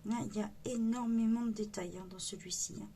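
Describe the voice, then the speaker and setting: Lady showing off a coloring book, excited and chatty, bit of hiss behind. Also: medium pitch, brisk. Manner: chatty, enthusiastic, many fillers. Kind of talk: casual book flip-through.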